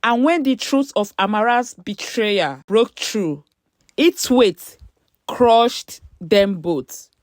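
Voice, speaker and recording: A woman narrating a scripted story dramatically, breaking her sentences into short, deliberate phrases. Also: medium pitch, no echo, clean studio sound.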